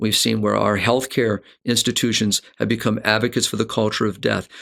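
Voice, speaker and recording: An American accent with vocal fry, monotone, flat intonation, very even loudness and a fairly quick pace. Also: man, fairly low pitch for a man. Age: 50s. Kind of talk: podcast interview. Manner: halting, with frequent repetitions.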